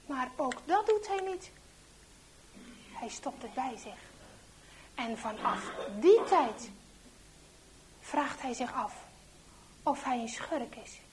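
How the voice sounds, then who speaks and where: A woman reading a Christian children's story aloud with slow, emphatic storytelling. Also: fairly high pitch, rough recording.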